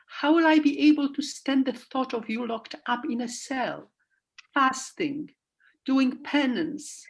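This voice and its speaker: Woman acting slow-spoken, anguished old Jewish mother. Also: high-pitched, lively intonation, vocal fry, heavily acted. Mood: anguished, pleading. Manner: slow, emphatic pleading and admonishing. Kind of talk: radio play acting.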